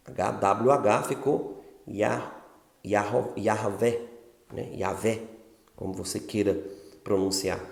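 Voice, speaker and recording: Man, mid-pitched gravelly voice, informal religious teacher, chatty check-ins, roomy echoey recording. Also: a little mellow. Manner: conversational, frequent filler tags like "né" and "ok". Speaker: religious channel host. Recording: roomy echo.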